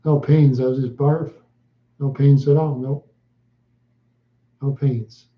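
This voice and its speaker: A man chatting slowly with viewers on a live stream, answering in short, halting phrases and often repeating himself. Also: medium pitch, steady tone, roomy sound, muffled recording. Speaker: livestreamer.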